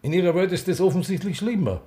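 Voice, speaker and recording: A man's voice: high voice, fast talker, mellow, breathy edge, dry recording. An actor playing a frank, flamboyant gay man in his seventies with an Austrian accent, telling his life in a radio drama. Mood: bitter, emphatic. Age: 70s. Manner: frank, theatrical. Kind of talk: radio drama, intimate storytelling.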